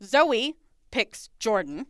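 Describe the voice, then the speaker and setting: A woman's voice: a little high, sing-song, extremely slow, no room sound, studio quality. A woman hosting a podcast, giggling often as she casually recaps a reality show. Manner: giggly, frequent laughing. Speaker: podcast host.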